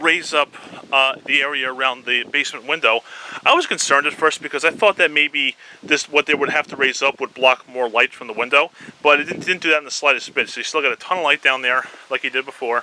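Here a man talks at a very fast pace with fairly even intonation. The sound is dry with no echo, with light background noise. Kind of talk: casual vlog chat. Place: garden. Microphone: phone near.

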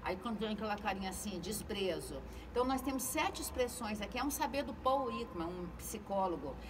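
A woman's fairly high, animated voice at a fairly quick pace, with lively intonation and noticeable background noise. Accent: Brazilian. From Brazil. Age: 50s. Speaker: psychoanalyst and radio commentator. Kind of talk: casual chat. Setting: studio. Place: studio. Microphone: studio mic.

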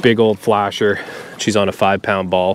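Over light background noise, a man speaks with fairly even intonation in a dry sound with no echo. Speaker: fishing vlogger. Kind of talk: casual vlog chat. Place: waterside. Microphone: camera far.

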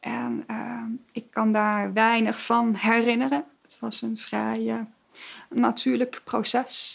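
A woman speaks at a very slow pace with big swings in loudness. The background is quiet. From Netherlands. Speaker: cochlear implant user. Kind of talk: testimony. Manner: hesitant, with fillers. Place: studio.

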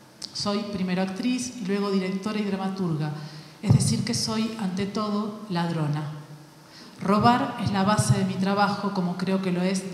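With audible room echo and light background noise, a woman speaks fairly slowly with ordinary pitch variation. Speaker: panelist, actress. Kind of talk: prepared reading at a panel talk. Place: hall. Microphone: podium.

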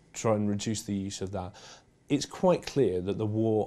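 The speaker talks at a fairly slow pace in a southern English accent. The tone is dark and mellow. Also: man. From southern England, Surrey. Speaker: parliamentary candidate; candidate. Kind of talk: political interview. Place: studio.

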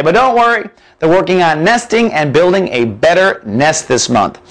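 A man speaks at a moderate pace in a high, animated and cheerful tone. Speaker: astrologer. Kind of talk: weather report. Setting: studio. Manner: animated, cheerful and playful, delivered with a sunny broadcast cadence. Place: studio. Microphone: lapel.

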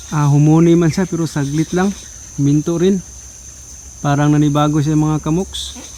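The pace is moderate. Long, frequent pauses break up the speech. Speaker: vlogger. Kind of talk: casual vlog. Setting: outdoors in forest.

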